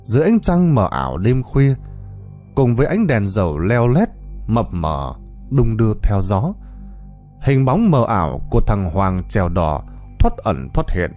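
Man telling a spooky story, dark mellow voice, really dramatic ups and downs, dry close sound. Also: on the low side, big pitch swings, a little slow, faint music behind. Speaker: horror story narrator. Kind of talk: scripted horror narration.

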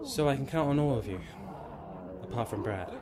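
A commanding male soldier voiced by a man in an audio drama. He is mid-pitched and brisk, with clear noise around him. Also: animated, natural voice. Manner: brisk orders. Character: commanding, no-nonsense male army lance corporal. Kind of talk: amateur audio drama acting. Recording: noisy background ambience.

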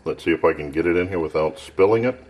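A man's voice: sits low, quick pace. A man casually narrating a camping stove test off camera in a cluttered home workshop, thinking aloud in a plain, matter-of-fact way. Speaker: gear tester.

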